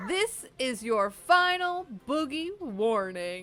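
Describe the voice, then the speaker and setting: Putting on a shrill character voice, a woman speaks at a very slow pace with a high pitch that swings very widely. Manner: excited, screeching.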